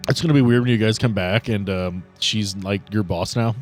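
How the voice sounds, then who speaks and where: A man's voice: on the low side, moderate pace. Wry man hosting, music behind him. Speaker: game master and host. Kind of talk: casual hosting and game narration.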